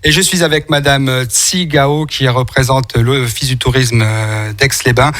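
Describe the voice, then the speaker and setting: A man's voice: mid-range voice, steady tone, unhurried, a bit bright. A man from France hosting a local radio interview in a chatty, wordy way, rambling and repeating words as he goes. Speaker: radio host.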